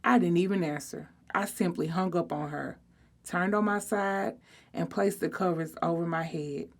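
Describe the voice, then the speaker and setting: A woman, a librarian reading aloud, giving expressive first-person storybook narration. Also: fairly low pitch, normal speed.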